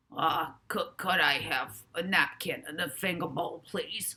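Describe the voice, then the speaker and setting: Putting on a robotic character voice, a woman speaks at a fairly slow pace with a fairly low pitch. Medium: read story. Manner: robotic, obedient.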